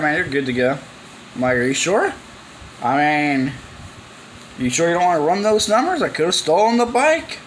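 Young guy vlogging a rambly slangy story, voice a bit high, faint hum behind him. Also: a bit bright, rough recording. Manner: slangy, informal, acts out quoted exchanges. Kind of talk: casual rambling storytelling to camera. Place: cluttered garage, indoors.

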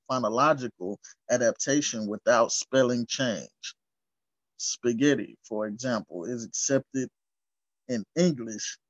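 A man hosting a history channel, reading source texts aloud and explaining them, slow and deliberate, stumbling over long words and adding casual asides. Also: medium pitch, dry recording. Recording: dull lo-fi recording.

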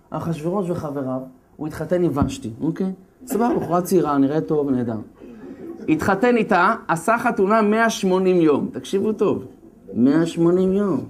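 A religious lecturer retelling a holiday story in a lively, slangy, joking way, then turning to its lesson. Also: male voice, high-pitched. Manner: animated, slangy, jokey storytelling. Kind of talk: lively comic Torah talk.

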